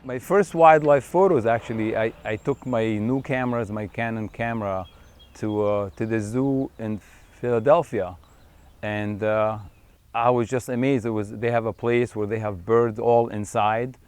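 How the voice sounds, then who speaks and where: In a profile interview, this middle-aged wildlife photographer from Syria reflects at an unhurried pace, his speech full of fillers and restarts. The voice sits on the low side, darkish yet clean in tone.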